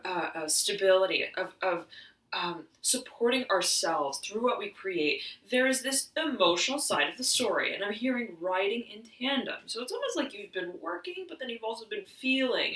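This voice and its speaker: A slightly hoarse woman reads tarot cards in a bright, forward voice, often clearing her throat. Her talk wanders through fillers and restarts. She sounds a little off-mic in an echoey room. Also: mid-range voice, distant mic. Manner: meandering, many fillers and restarts; keeps repeating "I'm hearing". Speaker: tarot reader. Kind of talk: spiritual reading to camera.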